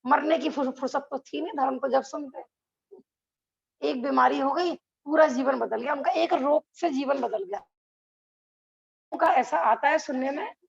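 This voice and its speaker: High, gravelly-voiced woman teaching a class. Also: a little slow, pauses often, highs cut off. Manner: asks the class rhetorical questions, laughs between points. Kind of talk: lecture to a class.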